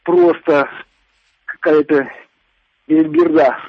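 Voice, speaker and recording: A man's voice: on the high side, steady tone, slow, husky. Man on a glitching phone line. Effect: glitching, breaking-up phone audio. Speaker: radio caller. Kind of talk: phone-in question. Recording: muffled, lo-fi phone line from a distance.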